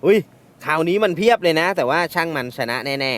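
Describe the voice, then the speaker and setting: Excitable man narrating a mobile game. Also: fairly high pitch, fast. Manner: excitable, laughs often, taunts opponents. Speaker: gaming channel host. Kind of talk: playing a mobile game with commentary.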